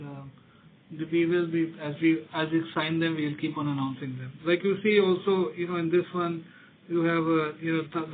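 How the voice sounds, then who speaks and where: A man with an Indian accent answering investors as a company executive on an earnings call, often repeating words as he explains. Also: on the high side. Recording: tinny phone line with background noise.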